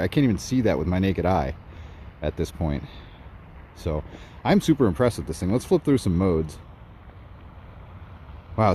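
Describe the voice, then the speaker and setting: Low-voiced man vlogging outdoors at night. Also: a little hiss or hum. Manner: excited, narrating while walking. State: slightly out of breath. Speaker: gear reviewer. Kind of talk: casual outdoor night vlog. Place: outdoors at night on a hill in a suburb.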